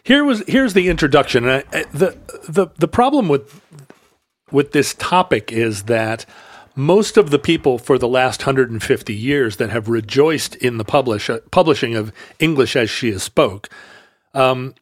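Podcast co-host, male, mid-pitched, rambles and restarts his sentences in a dry booth. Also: expressive, dry recording. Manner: halting, many restarts and fillers. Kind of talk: casual conversation.

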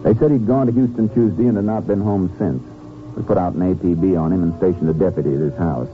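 An actor plays a methodical Texas Ranger, low-voiced and quick in delivery. He is calm, laconic and probing, all business. The sound is a muffled vintage radio drama. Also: soft background music, lightly acted. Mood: terse narrating. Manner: laconic, matter-of-fact, probing. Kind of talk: 1950s radio drama acting and narration. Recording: muffled, noisy 1950s radio recording.

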